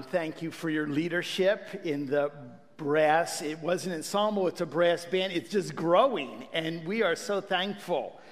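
A man speaking as pastor to his congregation, welcoming them and leading a prayer. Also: high voice. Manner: warm pastoral address with fillers and restarts. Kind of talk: church sermon introduction and prayer. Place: church sanctuary. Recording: church hall reverb.

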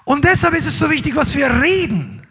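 A middle-aged man preaching a sermon to a congregation, swinging between loud calls and low asides. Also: very animated, brisk. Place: church hall with live congregation.

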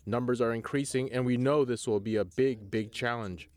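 A male official calmly describing the situation in a news interview clip. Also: mid-range voice, normal speed.

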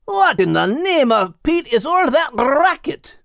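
A burly, kindly storybook dog, voiced by a man. He is gruff in temper and very expressive in pitch, recorded close and dry. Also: a little slow, no echo, heavily acted. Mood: startled.

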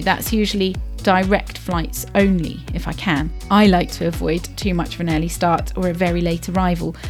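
A woman's voice: fairly low pitch, a little mellow. A woman in her thirties hosting a podcast, reading an introduction and sponsor message from a script. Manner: smooth, read from script. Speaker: podcast host, travel journalist.

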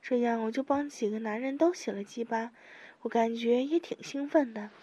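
Female narrator for an adult audio story, high, breathy voice, soft and intimate delivery. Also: moderate pace. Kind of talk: first-person adult audio story reading.

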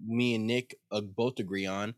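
A man's voice: lowish voice, fairly even intonation, normal speed, no echo. A young man co-hosting a podcast, chatting loosely about fights with slang and swearing. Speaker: podcast co-host. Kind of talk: casual banter about fights.

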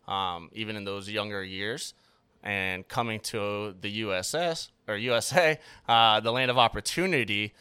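Low, smooth-voiced male interview host. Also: sharp tone, no echo. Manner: easygoing, rambling questions with fillers. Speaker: podcast host. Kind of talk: casual interview.

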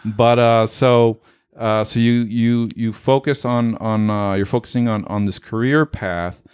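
Male podcast host in his forties, native Spanish speaker, lower voice, hesitant and repetitive questioner. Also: steady tone, a little mellow, smooth, no room sound. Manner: halting, repetitive questions full of fillers. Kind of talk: casual podcast interview.

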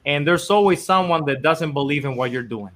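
A man from the Dominican Republic tells how his company began, earnest and rambling, with plenty of "you know"s. His voice is bright and forceful and sits a little high. He talks in the easy way of a guest in a casual interview. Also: fairly quick. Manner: earnest, rambling with many fillers.

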